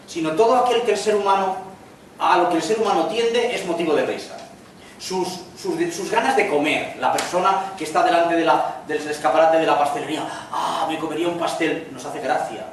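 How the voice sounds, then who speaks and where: A man with a Spanish accent from Spain, giving a lecture in a chatty way and slipping in jokes with quick acted lines. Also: a little high. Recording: echoey room from far off, faint noise.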